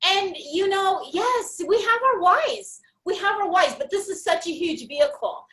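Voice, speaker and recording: High-voiced lady hyping up a call, super loud and bubbly, keeps repeating herself. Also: expressive, measured pace, poor audio. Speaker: guest speaker, network member. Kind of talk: excited pep talk on a call. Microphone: call audio.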